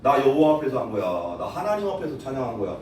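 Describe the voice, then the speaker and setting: A man's voice: medium pitch, big pitch swings, rapid-fire, a little mellow, a little hiss or hum, pitched below the performer's own voice, close to an everyday voice. A man voicing a joyful, unashamed king answering his wife with an earnest, defiant retort. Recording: echoey hall from far off.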